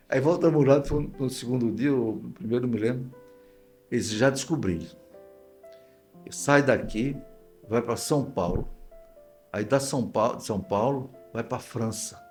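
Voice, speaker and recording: A man's voice: mid-range voice, moderate pace, long pauses, darkish tone, faint music behind. Older Northeastern Brazilian man telling anecdotes. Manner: anecdotal, acts out quoted dialogue, repeats phrases. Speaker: guest pastor. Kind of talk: conversational storytelling interview.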